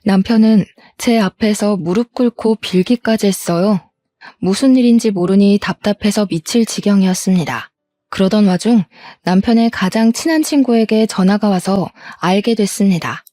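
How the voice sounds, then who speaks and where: A woman's voice: mid-range voice, dry recording. Indignant woman narrating a family story. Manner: sharp and indignant in dialogue, measured in narration.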